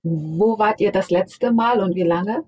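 A woman's voice: mid-range voice, measured pace, darkish tone, husky, rough recording. A woman hosts a podcast interview. She asks brief, friendly questions and keeps up short affirming murmurs while listening. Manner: attentive, brief affirming backchannels. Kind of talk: casual interview.

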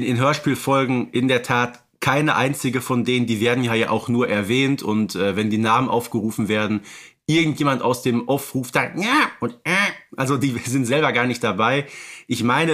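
A man's voice: mid-range voice, fairly bright tone. A man co-hosting a podcast, explaining at length in casual chat, with many fillers. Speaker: podcast co-host.

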